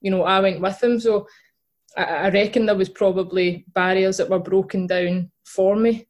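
A little mellow, her medium-pitched voice keeps a fairly even intonation at normal speed. She's a young Glaswegian woman from Scotland, a footballer and podcast co-host, chatting as an interview guest with lots of fillers and restarts.

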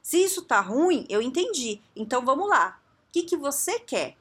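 A woman coach giving a podcast talk, speaking straight to the listener with quick rhetorical questions. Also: sits high, very animated, fairly bright tone. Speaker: coach working with strategy. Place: São Paulo.

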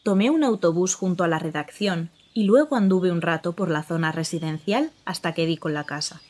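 Brief: actress voicing a reporter's first-person narration, measured, lowish voice. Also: female voice, darkish tone, lightly acted. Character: female reporter narrating her own investigation.

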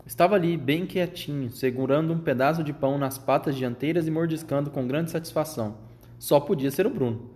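A man reading a children's storybook aloud to a child, asking gentle questions between passages. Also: a little high, brisk.

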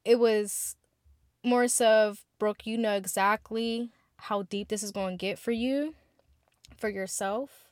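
A woman's voice: medium pitch, steady tone, slow pace, a little mellow, no echo, clean studio sound. A twenty-one-year-old woman hosting a podcast, speaking candidly and heartfelt straight to her listeners in a casual monologue. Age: 20s. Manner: candid, heartfelt, chatty, addresses listeners directly. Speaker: podcast host.

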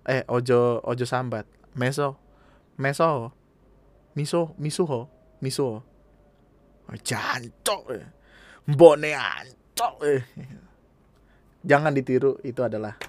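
A man with hosting a casual podcast, reading a listener's email aloud and chatting in an animated, laughing way with plenty of swearing. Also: mid-range voice. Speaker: podcast host.

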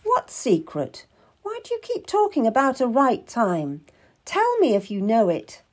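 A woman's voice: a little high, wildly swooping pitch, a little slow, voice pushed up, exaggerated voice. A woman voicing an impetuous, distressed young girl in a storybook, urgent and pleading as she demands answers. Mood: insistent.

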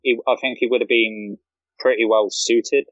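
A man's voice: medium pitch, little pitch movement, normal speed, fairly bright tone, dry recording, lo-fi sound. A man from the UK, a guest on a casual podcast, who talks hesitantly and often repeats words as he starts a sentence. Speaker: podcast guest, fan account runner.

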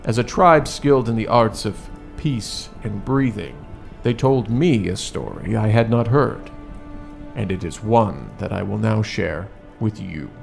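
Guy telling an rpg tale in character, gravelly, expressive pitch, kinda formal n halting. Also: soft background music. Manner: formal, measured, halting wording. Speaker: player in a tabletop roleplaying game. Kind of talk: improvised in-character storytelling.

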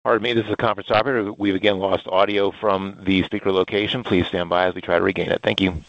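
A man's voice: deep voice, level tone, quick pace, dry recording. A man working as a conference call operator, making formal scripted announcements over a muffled phone line.

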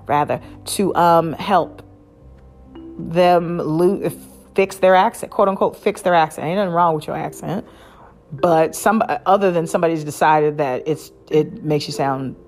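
A woman's voice: sits low, darkish tone. A woman hosting a casual solo podcast, chatting in a rambling way with many fillers and restarts. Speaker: podcast host.

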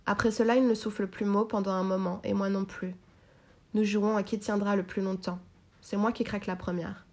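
Woman reader, mid-pitched and mellow, for a measured first-person audiobook narration. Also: little pitch movement. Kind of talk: audiobook reading of a novel.

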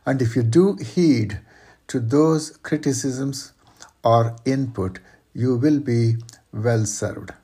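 A man with a mellow, dark tone and a slightly husky edge talks through workplace advice. He explains in a measured, orderly way, building his points with lists and everyday examples. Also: medium pitch. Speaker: career advice guest. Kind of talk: interview advice talk.

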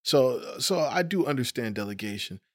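A man's voice: medium pitch, animated, moderate pace, no echo. A man with an African American accent chatting casually, laid-back and slangy, often affirming the other speaker. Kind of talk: casual chat.

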